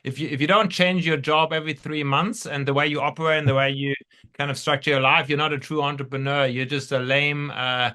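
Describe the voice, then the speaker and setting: Bright-voiced, higher-pitched man from Germany. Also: level tone. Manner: halting, rambling, repeats words. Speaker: podcast guest, entrepreneur. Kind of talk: casual anecdotal interview storytelling.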